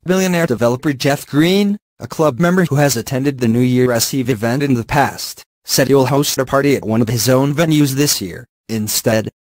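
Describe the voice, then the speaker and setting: A man reads a news article aloud in a steady, even manner, his voice sitting in a middle pitch. The sound is dry and close, with no room around it. The wording slips now and then. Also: moderate pace, few pauses, dry recording. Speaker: news reader.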